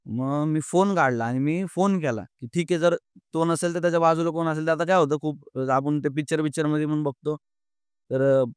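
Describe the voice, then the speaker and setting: A man's voice: fairly high pitch, clear, resonant tone, no room sound, studio quality. Earnest young man. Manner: earnest, halting, many fillers and restarts. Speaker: podcast guest. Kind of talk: emotional storytelling in an interview.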